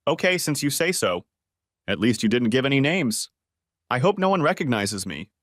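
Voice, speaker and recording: An anxious, humiliated husband pleads and worries aloud, as a male narrator reads him. His pitch moves a lot. The recording is dry and close. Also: very animated, moderate pace, fairly bright tone, no echo. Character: anxious humiliated husband, middle-aged man.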